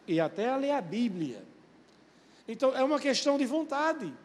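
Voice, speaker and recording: A man's voice: very high voice, very animated, normal speed. A male pastor preaching a sermon, putting rhetorical questions to the congregation. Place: church. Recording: long church-hall reverb.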